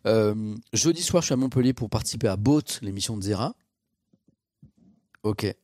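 A male streamer chats casually with his viewers. He bursts into exaggerated, theatrical frustration. His somewhat low voice sounds dry and close. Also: expressive, moderate pace, darkish tone, no room sound. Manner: theatrical mock exasperation, swearing. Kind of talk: casual live-stream chat.

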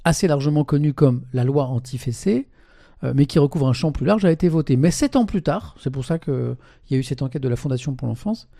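Mellow-voiced man commenting on a stream. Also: mid-range voice, animated, fairly quick, creaky, dry recording, studio quality. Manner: conversational, tags sentences with "hein"; reads article passages aloud, then comments. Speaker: live streamer. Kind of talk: casual live-stream commentary reading press and chat.

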